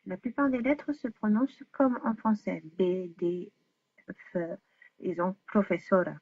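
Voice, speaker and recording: Woman, language teacher, husky voice, dry narrowband recording. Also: mid-range voice, lively intonation, darkish tone, no echo. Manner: clear, deliberate, spells out sounds slowly. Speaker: Spanish teacher. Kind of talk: explaining pronunciation rules. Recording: dry, phone-like narrowband voice-over.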